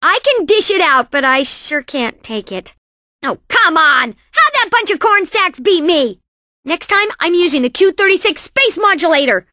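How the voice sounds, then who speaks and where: Coco Bandicoot, very high, sassy cartoon girl. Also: big pitch swings, moderate pace, pushed and bright, no room sound, clean studio sound, exaggerated voice. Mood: sulky. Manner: sassy, boastful, cartoonishly exaggerated delivery. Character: perky, cocky young female bandicoot racer. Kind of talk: video game character voice lines.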